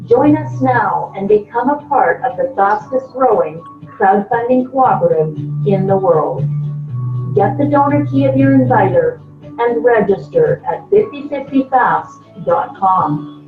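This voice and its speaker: Woman, slow promo read, tinny, roomy, music bed underneath. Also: mid-range voice, animated. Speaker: promo narrator. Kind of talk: scripted promotional voice-over. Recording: tinny phone-like sound, roomy echo, loud music bed.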